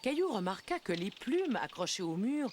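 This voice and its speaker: A woman as a gentle storyteller narrating a children's cartoon in a scripted, storybook style. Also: medium pitch, sing-song, moderate pace, slight background noise, close to an everyday voice. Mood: storytelling. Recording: music behind the voice.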